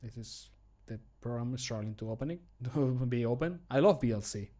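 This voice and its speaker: A man talks casually on a livestream as he works at his desk. His voice sits at a medium pitch. He often mutters to himself and has a self-deprecating way of talking. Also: moderate pace, warm tone. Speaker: game modder recording his own voice lines, streamer. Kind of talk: casual livestream commentary while working. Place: indoor room at a computer desk.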